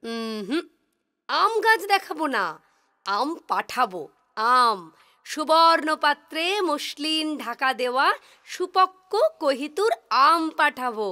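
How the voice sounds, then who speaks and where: A woman's voice: high voice, lively intonation, slow pace, sharp tone, heavily acted. A woman voicing a proud, boastful queen in a cartoon, speaking in a haughty, insistent manner. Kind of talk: cartoon voice acting.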